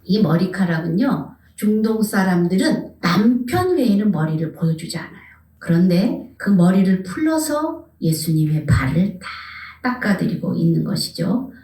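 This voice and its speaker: A woman pastor preaching a sermon, animated, asking her congregation questions and sometimes dropping to a whisper. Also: medium pitch. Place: church sanctuary. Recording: echoey church hall, mic at a distance.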